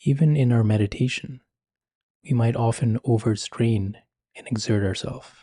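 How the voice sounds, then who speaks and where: A man speaking slowly and gently with long pauses, guiding a meditation in a soft, breathy voice. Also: medium pitch, no room sound, studio quality. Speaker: meditation guide. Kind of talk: guided meditation.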